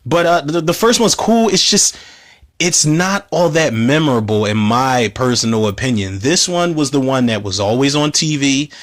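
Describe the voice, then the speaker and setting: Hoarse-ish guy doing a movie commentary, rambling, swears a lot, mid-range voice. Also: mid-range voice, normal speed. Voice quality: rambling, profane, self-interrupting. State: slightly hoarse. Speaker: movie commentary podcast host. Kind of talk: casual film commentary.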